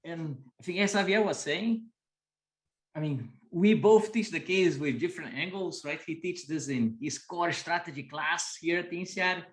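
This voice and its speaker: A man with a Brazilian Portuguese accent hosts a business school webinar, speaking conversationally and often adding "right?" to his sentences. His voice is slightly high, his pace moderate, and the recording sounds roomy.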